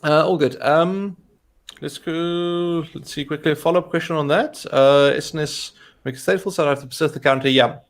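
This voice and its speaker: A man's voice: fairly high pitch, a little fast. A man co-hosting a live cloud question-and-answer stream in casual chat, talking with lots of fillers. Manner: chatty, frequent fillers.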